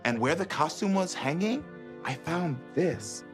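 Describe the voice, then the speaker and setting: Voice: mid-range voice, lively intonation, unhurried, music in the background, natural voice. An actor playing a chatty, obliging cartoon costume designer.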